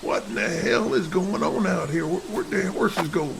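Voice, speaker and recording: Guy acting as a folksy grumbly hunter out camping, really creaky voice, bit high, faint noise behind. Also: moderate pace. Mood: angry, baffled. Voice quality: gravelly, creaky. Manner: plain-spoken, folksy, mildly salty. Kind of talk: amateur audio drama acting.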